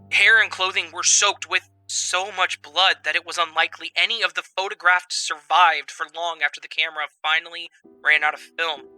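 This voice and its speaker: With music in the background, a man talks at a fairly quick pace and a high pitch, with fairly even intonation and a dry, close sound with no echo. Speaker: horror narrator. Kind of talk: horror story narration.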